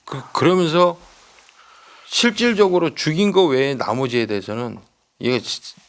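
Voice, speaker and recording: A man's voice: on the high side, moderate pace. A man giving conversational true-crime commentary like a seasoned investigator, explaining emphatically, repeating points and seeking agreement.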